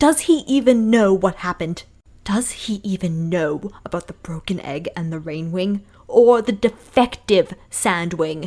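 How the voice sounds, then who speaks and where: A female-sounding put-on character voice, growling and angry in tone, medium in pitch, at a moderate pace. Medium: audio drama. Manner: loud, angry.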